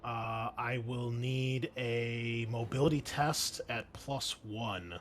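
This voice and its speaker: A man's voice: mid-range voice, fairly even intonation, slow, a bit bright, a little hiss or hum. A man working as game master, narrating and refereeing a tabletop roleplaying game in a casual way.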